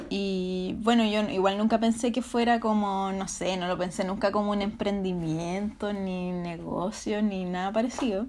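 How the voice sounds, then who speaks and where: Using a Chilean accent, a woman of medium pitch speaks at a fairly slow pace with fairly even intonation and hardly any pauses. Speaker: illustrator and ceramicist. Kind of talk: casual interview chat.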